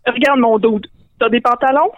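Blunt sarcastic innkeeper, high voice, Québécois slang, as a woman plays him; phone-line sound. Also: fairly even intonation, moderate pace, no echo, close to an everyday voice. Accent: Québécois French.

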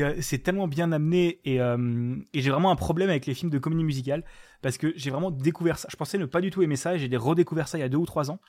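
A man's voice: mid-range voice, darkish tone. A man talking casually on a podcast, rambling and enthusiastic, swearing freely.

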